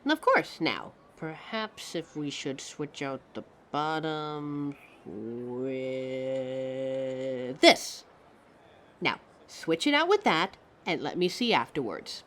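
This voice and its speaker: A woman's voice: deep voice, very animated, slow pace, fairly bright tone, slight background noise, exaggerated voice. A woman voicing a pompous, theatrical living mannequin who lectures the listener as a fussy fashion expert in a scripted roleplay. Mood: pleased, theatrical. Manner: pompous, affected, instructive, calls listener darling.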